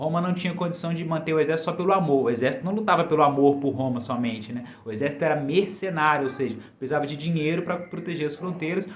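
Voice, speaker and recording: Noticeable background noise sits behind a man with a fairly high pitch. He talks very fast with ordinary pitch variation. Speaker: history teacher. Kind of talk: lecture.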